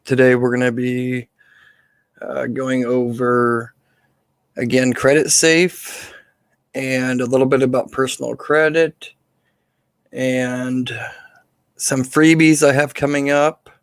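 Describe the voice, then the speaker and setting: A man with a slightly hoarse voice hosting a casual live question-and-answer stream, speaking informally and haltingly off the cuff. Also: medium pitch, flat delivery, dry recording.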